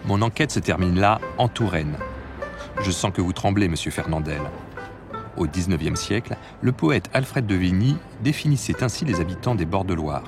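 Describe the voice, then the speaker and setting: A man delivers scripted documentary narration in a deep voice. Music plays behind his words as he guides the listener through the film. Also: expressive, moderate pace.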